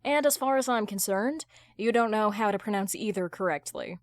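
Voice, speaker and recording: A woman performs a cutting businesswoman in an audio drama. She is blunt, sarcastic and judgmental, delivering her digs deadpan at a medium female pitch in a dry recording. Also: normal speed, no room sound, natural voice. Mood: scornful. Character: sharp, judgmental businesswoman, scathing exasperated ex.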